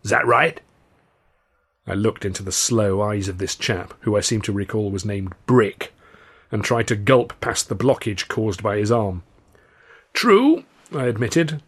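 A man's voice: on the low side, fairly even intonation, moderate pace, slightly rough. A man reading his own first-person novel aloud as an audiobook narrator. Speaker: author and narrator.

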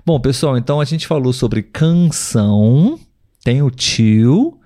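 A man teaching on a live podcast, his voice dark and mellow at a middle pitch. He talks patiently and repeats each word slowly so learners can follow, and keeps checking in with his audience. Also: expressive. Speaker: podcast host and language teacher. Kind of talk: live podcast language lesson.

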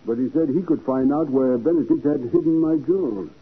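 An actor playing a polite, well-mannered wealthy gentleman in a 1940s radio drama, with courteous, genteel phrasing. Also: mid-range voice, a little fast, slightly rough. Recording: muffled phone-like 1940s radio recording.

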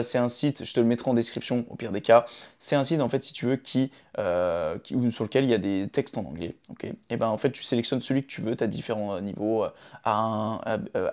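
A young vlogger with a lowish, darkish voice talks fairly quickly to his phone camera indoors in his room. Chatty and casual, he walks through his daily routine and offers advice, frequently asking "d'accord?" or "ok?"

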